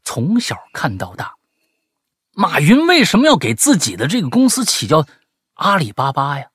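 A man hosting a chat show, reading listener letters aloud and teasing them with animated, mock-indignant commentary. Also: fairly high pitch, moderate pace, breathy edge, dry recording. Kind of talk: comic commentary on listener stories.

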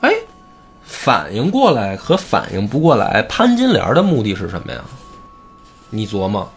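A man's voice: fairly low pitch, moderate pace. A man hosting a casual talk show, explaining a classic novel and acting out the quoted characters. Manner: animated, acts out quoted characters. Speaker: host.

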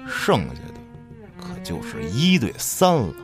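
A man's voice: mid-range voice, wildly swooping pitch, over music. An actor playing a big, burly, calculating man in a radio drama, mocking and menacing as he talks. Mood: sneering, menacing. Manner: mocking, deliberate, swearing.

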